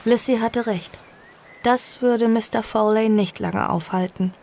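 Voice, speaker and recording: A woman's voice: a little high, steady tone, unhurried, creaky, a little mellow. An actress playing an earnest, frightened girl on the run in a horror audio drama, both narrating and in dialogue. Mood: somber, tense.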